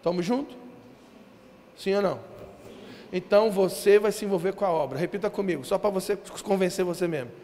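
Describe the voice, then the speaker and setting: A high-voiced man from Brazil preaches a sermon in a large church. He tells stories with slang and acts out what people said. His voice rings through a long reverb, with faint room noise behind it. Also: a little fast, long pauses. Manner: animated, slangy storytelling with acted-out quotes. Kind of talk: sermon with storytelling. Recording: reverberant hall with faint ambience.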